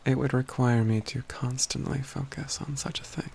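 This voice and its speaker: A man's voice: mid-range voice, steady tone, gravelly, a little mellow, slight background noise, natural voice. A man playing a composed, learned mage companion in a fantasy ASMR roleplay, speaking in formal, old-fashioned phrasing with a dry, teasing wit. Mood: thoughtful, explaining. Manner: measured, formal old-fashioned wording, dryly wry.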